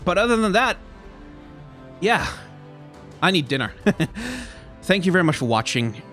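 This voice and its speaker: A young man, a little hoarse, chatting casually on a live stream, rambling and answering his chat as he reviews card art. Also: high voice, big pitch swings, a little slow, pushed and bright, soft background music. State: slightly hoarse.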